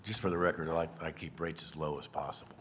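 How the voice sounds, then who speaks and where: A man's voice: a bass voice, fairly even intonation, fast, a bit bright, slight background noise. A man on a city council making brief, plain-spoken remarks in a meeting. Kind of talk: meeting discussion.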